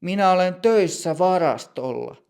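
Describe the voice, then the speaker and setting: Flustered young bank customer, voiced by the narrator; hesitant, gravelly. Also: male voice, high-pitched, animated, a little mellow, pitched above the performer's own voice. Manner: nervous, hesitant. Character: flustered young man opening an account.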